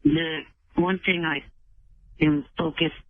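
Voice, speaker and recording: A man calling in to a radio show, speaking haltingly and earnestly in formally worded phrases. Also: a little high, fairly even intonation. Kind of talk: phone-in chat. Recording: dull phone call with faint noise.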